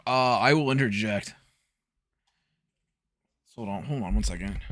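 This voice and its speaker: A man's voice: on the low side, measured pace, a bit bright, no room sound, studio quality. Eager male player asking questions. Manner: questioning and eager, stumbling over words. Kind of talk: casual tabletop role-play over voice chat.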